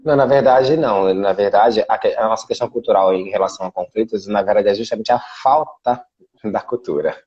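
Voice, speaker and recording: A man from Salvador with a low, mellow, slightly husky voice talks through a video call. He explains things at length, often tagging his sentences with little fillers. The sound is dull and lo-fi. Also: fairly quick. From Brazil (Salvador, Bahia). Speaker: guest, international relations specialist. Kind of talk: casual video interview. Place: Portugal.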